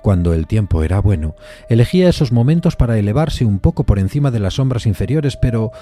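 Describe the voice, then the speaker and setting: An actor playing a courteous, uneasy gentleman who recounts an eerie encounter in formal, deliberate suspense narration. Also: lowish voice, big pitch swings, faint music behind. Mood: measured suspense. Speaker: narrator of an audio drama. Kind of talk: dramatized first-person suspense story narration.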